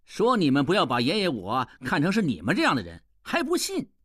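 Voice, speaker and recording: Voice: mid-range voice, big pitch swings, slow pace, no room sound, studio quality. A performer voicing a proud, penniless young male scholar who swings between whining and grand boasting, in an audio drama. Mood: boastful.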